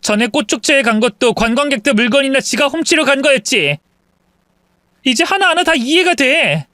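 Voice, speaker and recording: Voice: high voice, animated, normal speed, bright, forceful tone, dry recording, studio quality, pitched above the performer's own voice. A reader voicing an angry young wife who accuses her husband's family of theft, in an indignant tone. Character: angry young wife confronting thieving in-laws.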